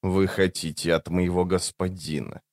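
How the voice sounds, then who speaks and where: A man voicing a decrepit, sardonic monster serving death, speaking low, slow and trembling. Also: level tone, darkish tone, no room sound, studio quality, lightly acted.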